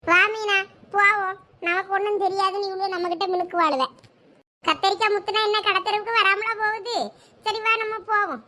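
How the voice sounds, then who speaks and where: A woman's voice: very high voice, fairly even intonation, brisk, sharp tone. A woman with a Thoothukudi Tamil accent acting out gossipy, scolding village women in a comedy sketch.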